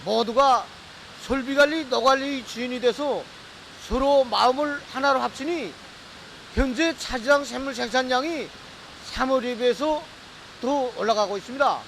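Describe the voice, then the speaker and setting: A man's voice: very high voice, normal speed, vocal fry, a bit bright, a little hiss or hum, low-quality recording. A man with a North Korean accent speaking assertively and rousingly in a workplace interview. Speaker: steelworks interviewee.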